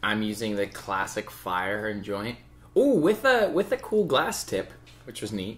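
A man with a Canadian accent talks at a fairly slow pace. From Canada. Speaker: podcast co-host. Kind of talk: casual chat.

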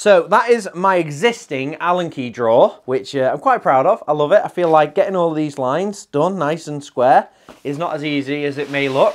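The speaker has a British accent. There are hardly any pauses. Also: man, fairly high pitch for a man, ordinary pitch variation, moderate pace. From UK. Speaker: tool review youtuber. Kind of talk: product review video. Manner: animated. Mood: proud, relaxed. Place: workshop. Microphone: lapel.

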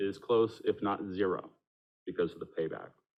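A man talks at a moderate pace. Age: 60s. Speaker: resident speaking at public meeting. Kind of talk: public comment at town meeting. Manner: halting.

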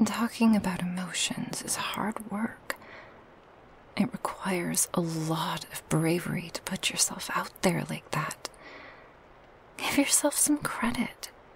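A woman whispering in a gentle tone at a very slow pace, long, frequent pauses throughout and noticeable background noise behind her. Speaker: ASMR creator performing girlfriend roleplay. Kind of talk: ASMR comfort roleplay, scripted girlfriend monologue to listener. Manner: soft, tender, intimate and reassuring; gentle, slow-paced, with soft laughs and sighs.

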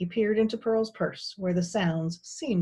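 The speaker is reading aloud in a natural voice with ordinary pitch variation against a quiet background.

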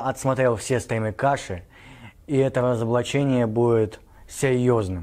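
Speaking fairly slowly with long, frequent pauses, a man keeps his intonation fairly even against a quiet background. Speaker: video blogger. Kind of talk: interview conversation. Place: home room. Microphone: lapel.

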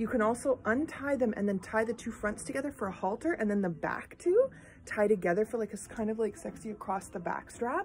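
At a moderate pace, a woman talks with ordinary pitch variation over light background noise. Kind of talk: casual product showcase. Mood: enthusiastic, chatty. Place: shop. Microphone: phone near.

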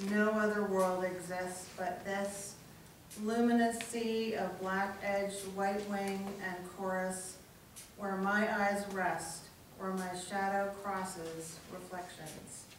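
Over light background noise and audible room echo, a woman speaks very slowly in a monotone, flat intonation. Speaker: amateur poet. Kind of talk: poetry reading, original poem read aloud to an audience. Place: hall.

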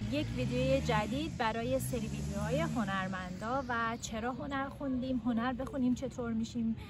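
A woman at a moderate pace with hardly any pauses, dry sound with no echo, and noticeable background noise. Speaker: YouTuber; video host. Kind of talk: casual chat. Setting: outdoors. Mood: warm, cheerful. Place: garden. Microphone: phone near.

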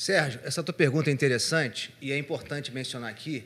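Ordinary pitch variation in a bright, sharp tone. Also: man. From Brazil. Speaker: football club executive. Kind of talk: answering fan questions. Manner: hesitant, many filler pauses; indignant emphasis. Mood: indignant, critical. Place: studio. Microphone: studio mic.

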